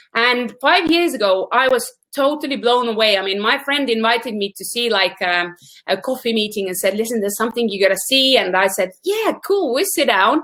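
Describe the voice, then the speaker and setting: A woman's fairly high, bright, sharp voice with an Estonian accent and lively intonation. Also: fairly quick pace. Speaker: network marketing presenter. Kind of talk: sales presentation. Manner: animated.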